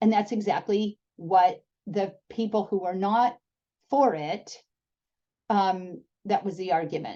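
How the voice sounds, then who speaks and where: A woman with a dark, mellow tone and a medium pitch speaks at a fairly slow pace with ordinary pitch variation. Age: 60s. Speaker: dog trainer. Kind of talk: vlog message to followers. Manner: earnest, with frequent filler ums.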